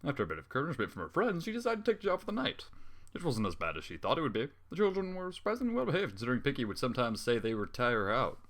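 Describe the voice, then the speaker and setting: Animated, bright-voiced man reading aloud. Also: mid-range voice, racing. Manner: exasperated, swearing outbursts between narration. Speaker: fanfiction reader. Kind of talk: dramatic story reading with comic reactions.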